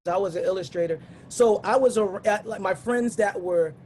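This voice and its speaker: A man's voice: sits high, moderate pace, darkish tone, a little hiss or hum. A middle-aged man on a dance panel, talking in a loose, conversational way with many restarts and asides. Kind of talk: casual panel discussion.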